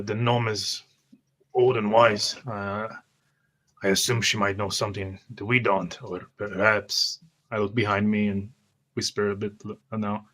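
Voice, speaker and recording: Man, lowish voice, flat intonation, halting deliberate delivery, tabletop roleplay, in-character lines and action narration. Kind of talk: in-character roleplay mixed with first-person narration.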